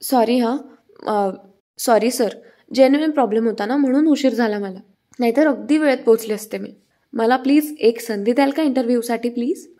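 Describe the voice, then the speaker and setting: An anxious young woman pleads for a job interview and apologizes again and again, read out by a woman narrator. Her voice sits a little high, with a plain everyday tone. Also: fairly quick, dark tone, lightly acted. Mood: pleading.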